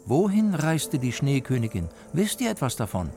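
A man's voice: mid-range voice, big pitch swings, normal speed, dark tone, voice pushed up. A man reading a fairy tale aloud and voicing an eager young girl who asks questions. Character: young girl searching for her friend. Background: music.

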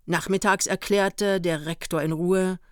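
A woman reading literary narration for a radio play in a measured, matter-of-fact way. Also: fairly low pitch, fairly even intonation, clear, resonant tone, no room sound, studio quality, close to an everyday voice. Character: composed female storyteller narrating a young East Berlin couple's honeymoon.

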